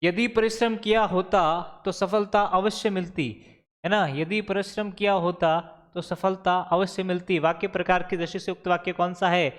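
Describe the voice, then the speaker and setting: A man's voice: sits high, steady tone, moderate pace. A man teaching, working through exam questions step by step and answering his own questions aloud. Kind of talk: exam solution lecture.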